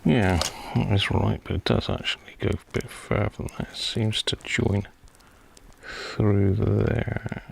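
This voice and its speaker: Gravelly, creaky low-voiced man at work. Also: fairly even intonation, measured pace. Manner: muttering to himself while working. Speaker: host of a live radio repair stream. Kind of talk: casual hands-on commentary while working. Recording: clear background noise with clicks.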